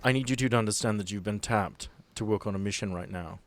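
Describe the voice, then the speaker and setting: Man voicing grave woman boss, low voice. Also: fast, slight background noise, natural voice. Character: grave, urgent woman boss briefing her agents.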